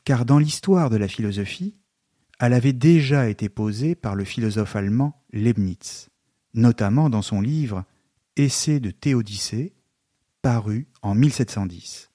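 Measured, mellow male lecturer. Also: mid-range voice, no room sound, clean studio sound. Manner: measured and explanatory, slowing on key terms. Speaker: literature and philosophy lecturer. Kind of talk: scripted educational narration.

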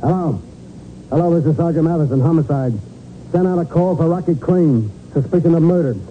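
An actor playing a hard-nosed homicide sergeant in a 1940s radio drama, clipped and commanding. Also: male voice, on the high side, a little fast, natural voice. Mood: brisk command. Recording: tinny, noisy 1940s radio recording.

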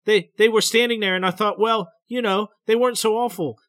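A man voicing a frightened woman who relives a memory under hypnosis, speaking between sobs in a halting, stammering, breathless way. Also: high-pitched, a bit bright, dry recording, clean studio sound, voice pushed up. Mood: trembling. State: sobbing.

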